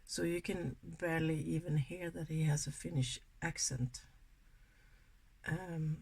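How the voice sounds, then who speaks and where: Unhurried and fairly even in intonation, this woman's low voice is creaky and husky. She's a Swedish beauty vlogger in her sixties with a Swedish accent, chatting softly and ramblingly through a makeup tutorial.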